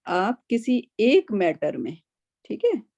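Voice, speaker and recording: A woman's voice: mid-range voice, sing-song, vocal fry, a little mellow, no echo. A woman teaching a Quran class over a video call, explaining patiently and often checking in with her students.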